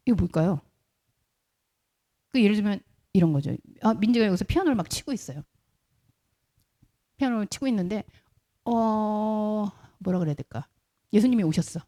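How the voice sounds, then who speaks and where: Animated woman preaching a sermon. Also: mid-range voice, normal speed, long pauses. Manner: lively storytelling with rhetorical questions to the congregation; briefly acts out quoted voices in the middle of speech. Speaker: pastor. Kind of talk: conversational sermon.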